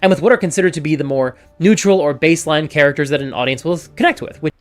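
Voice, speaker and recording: A man's voice: fairly high pitch, fast. A man giving an articulate explanatory video commentary, building an argument with small asides. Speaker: video essayist.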